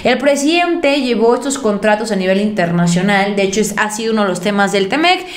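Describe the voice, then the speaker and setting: A woman's voice: mid-range voice, lively intonation, a little fast. A young Mexican woman with a Mexican accent giving emphatic, sarcastic political commentary at her desk, her voice swinging up and down for effect. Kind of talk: opinionated news commentary. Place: indoor room at a desk. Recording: roomy echo.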